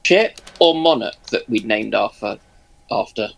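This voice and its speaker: A man's voice: on the low side, animated, unhurried, vocal fry, fairly bright tone. A man in casual discussion as a live-stream panelist, thinking aloud with hesitant, repeated words.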